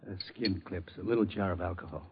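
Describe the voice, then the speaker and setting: Soothing, kindly fight trainer. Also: male voice, sits low, fairly even intonation, brisk, background noise. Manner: soothing, fatherly. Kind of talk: 1950s radio drama acting. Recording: tinny old radio broadcast.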